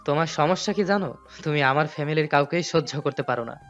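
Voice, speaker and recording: A man's voice: fairly high pitch, fast, a bit bright, soft background music, natural voice. A man voicing a patient young husband in an audio drama, earnest and pleading. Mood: defensive.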